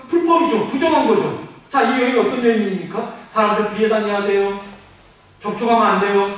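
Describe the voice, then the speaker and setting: A man preaching a sermon as pastor, animated, asking the congregation questions and answering them himself. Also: high voice. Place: church sanctuary. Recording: very echoey hall, mic at a distance.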